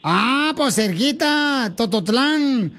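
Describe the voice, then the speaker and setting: Male radio host, very high pitch, teasing and playful with callers. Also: animated, extremely slow. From Mexico. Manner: teasing, playful, loud and laughing. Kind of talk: joking radio chat with callers. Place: radio studio.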